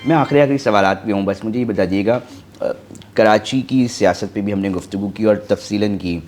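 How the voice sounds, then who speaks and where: A man interviewing a guest, asking measured questions and often murmuring agreement. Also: fairly low pitch, darkish tone, slight background noise. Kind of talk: political interview.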